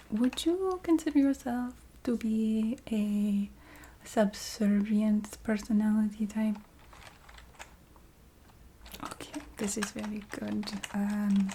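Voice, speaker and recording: A woman playing a courteous, matter-of-fact vampire receptionist in a soft-spoken ASMR roleplay, half-whispering in a put-on Eastern European accent with halting, formal phrasing. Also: medium pitch, a little hiss or hum, natural voice, low-quality recording. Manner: halting, formal phrasing with small hesitant hums.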